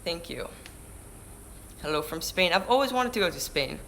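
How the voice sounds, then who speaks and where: A man's voice: a little high, sing-song, normal speed, bright, forceful tone, a little hiss or hum. A teenage boy with a Hebrew accent, chatting on a live stream and reading out viewer questions, often restarting words mid-sentence. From Israel. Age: teens. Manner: chatty, restarts mid-word, answers questions read aloud. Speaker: surfer vlogger. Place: indoors by a window. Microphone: camera-mounted shotgun mic.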